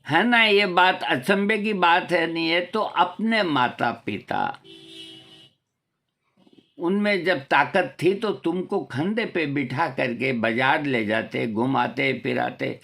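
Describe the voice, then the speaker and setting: A man's voice: a little high, takes it slowly, creaky, pushed and bright. An older man giving a preachy, scolding talk with rhetorical questions, as a homeopathy vlogger. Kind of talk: moral talk to camera.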